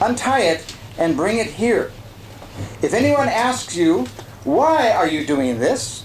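A very slow pace over light background noise. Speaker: scripture reader at service. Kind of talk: scripture reading. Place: church. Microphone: camera far.

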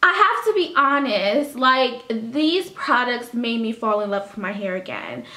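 Audible room echo surrounds a woman's high-pitched voice, which moves at a fairly slow pace with ordinary pitch variation. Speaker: hair vlogger. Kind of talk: casual vlog chat. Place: home room. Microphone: phone near.

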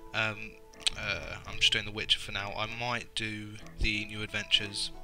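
A man's monotone, flat delivery in a British accent, with music in the background. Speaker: let's play commentator. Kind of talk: casual gameplay commentary. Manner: quiet.

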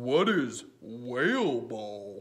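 A man's put-on character voice, medium in pitch, with lively intonation. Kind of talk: children's read-aloud. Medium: read story. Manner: gentle, polite. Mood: curious.

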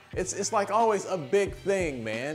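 With a little music playing softly behind him, a man talks at a medium speed. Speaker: sports show host. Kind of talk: presenter intro and interview questions. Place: studio. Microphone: lapel.

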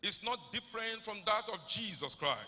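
The voice is raised and projected. The pace is moderate. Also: man. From Nigeria. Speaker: professor giving inaugural lecture. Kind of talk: lecture. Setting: stage with audience. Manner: formal. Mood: solemn, prayerful. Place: hall. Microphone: handheld.

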